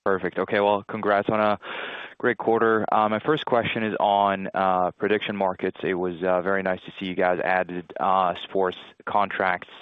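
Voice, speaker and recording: A man's voice: low-pitched, level tone, moderate pace, clean tone, no room sound. A man asking a spontaneous question as an analyst, hesitating often with ums and uhs. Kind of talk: spontaneous question on earnings call. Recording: narrow dry phone line.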